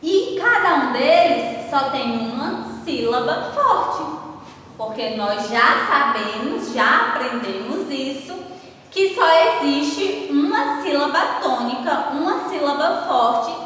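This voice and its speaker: A woman's voice: high-pitched, expressive, slow, fairly bright tone, very echoey, long reverb tail, recorded from a distance, a little hiss or hum, low-quality recording. A woman teacher with a Brazilian Portuguese accent, giving a patient lesson to children and often checking that they follow. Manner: patient, checks understanding with frequent tag questions. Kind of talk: recorded classroom lesson for children.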